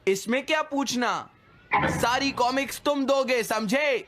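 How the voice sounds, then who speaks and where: A man's voice: very high-pitched, slow pace, very noisy. A man voicing a bossy, bullying schoolboy with a domineering, threatening manner in a comedy cartoon. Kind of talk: dubbed cartoon acting. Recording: loud music behind the voice.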